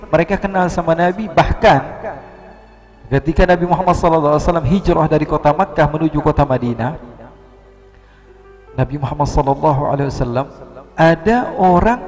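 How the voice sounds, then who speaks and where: Gravelly-voiced Indonesian preacher in a hall. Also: male voice, a little high, a little fast, long pauses, faint music behind. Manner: lively storytelling with acted quotes. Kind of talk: humorous Islamic sermon. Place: large mosque hall. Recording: reverberant hall.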